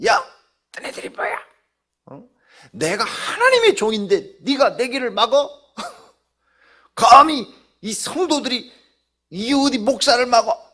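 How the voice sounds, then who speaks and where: A man preaching acts out an entitled male pastor who yells furiously in a husky voice. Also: extremely high pitch, big pitch swings, slow pace, long pauses, voice pushed up, full character voice. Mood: furious shouting. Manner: yelling, furious, scolding. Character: shouting, entitled middle-aged male pastor.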